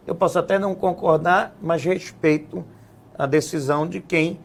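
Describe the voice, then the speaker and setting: A man, a businessman and former politician, explaining policy in a measured political interview, often adding "né?". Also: fairly high pitch, creaky. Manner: measured, explanatory, frequent "né?" tags. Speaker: guest, health businessman and former legislative assembly president.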